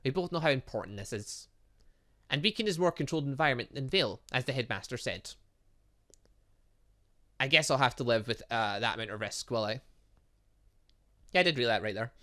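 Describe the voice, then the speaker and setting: A man with a mid-range voice hosts a gaming video, reading visual novel dialogue aloud and dropping in casual asides. He talks fairly quickly with long pauses, tripping over words and fixing them as he goes. He's animated, exclaiming and reacting playfully.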